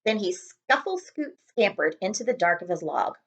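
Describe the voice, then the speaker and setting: A woman reading a children's storybook aloud as host, expressive and speaking directly to young listeners with friendly asides. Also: medium pitch, normal speed, gravelly, muffled recording. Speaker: read-aloud host, librarian.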